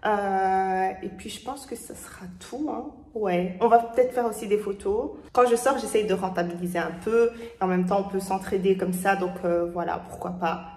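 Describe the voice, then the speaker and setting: A young woman chatting casually to her viewers in a vlog, excitable, slipping in English slang. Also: medium pitch, normal speed, few pauses, echoey room, recorded from a distance. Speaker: vlogger.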